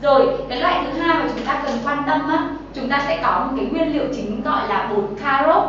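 A woman's voice: sits high, brisk, fairly bright tone, very echoey, distant mic, dull audio, a little hiss or hum. A young Vietnamese woman presenting a healthy-drink tutorial in a kitchen studio, chatty and full of filler sounds, talking straight to viewers. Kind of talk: cooking and nutrition tutorial. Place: bright kitchen studio set, indoors.

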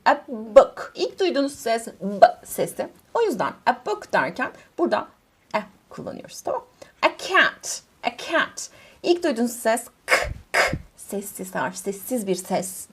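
A woman from Turkey teaching English grammar in a lively, swooping voice that sits a little high. Her tone is somewhat husky. She reads English examples slowly and asks the class questions that she then answers herself.

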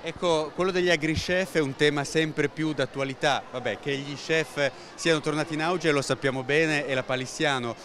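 A man's voice: fairly high pitch, moderate pace, hardly any pauses, a bit bright, slight background noise. A man interviewing guests at a fair stand, chatty and rhetorical, elaborating at length before posing his questions. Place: indoor exhibition stand at a book fair.

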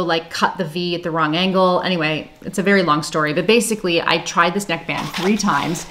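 A woman's voice: lowish voice, a bit bright. Chatty, self-deprecating woman sewing vlogger. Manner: chatty, self-deprecating, laughs often, with fillers. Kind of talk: casual show-and-tell chat.

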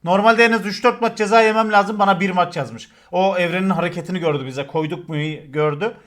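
A man, telling crude football stories to his stream chat in a casual, animated way, swearing and acting out shouts. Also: high voice, quick pace.

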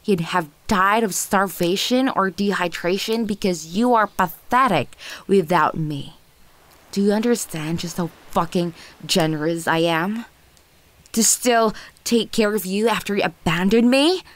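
A woman playing a possessive, manipulative ex-girlfriend in an ASMR audio roleplay, condescending and volatile, with teasing, lingering, breathy delivery. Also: medium pitch, measured pace, natural voice. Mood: agitated, scornful. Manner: condescending, teasing, lingering on words, often breathy half-whispers.

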